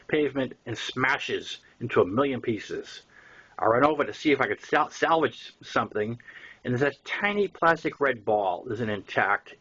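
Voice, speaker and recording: An older man reads a first-person audiobook in a Boston accent. His voice is husky and sits at a middle pitch for a man. The recording is a little dull and lo-fi. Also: fairly bright tone. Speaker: author reading his own novel.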